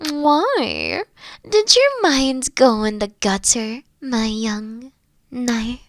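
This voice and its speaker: A woman playing a mature-seeming young queen in a roleplay audio drama, tender and teasing, soft-spoken and often slipping into breathy whispers. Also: on the high side, huge pitch swings, very slow, no room sound, clean studio sound, heavily acted. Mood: warm, playful. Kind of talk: scripted roleplay audio drama, intimate one-on-one.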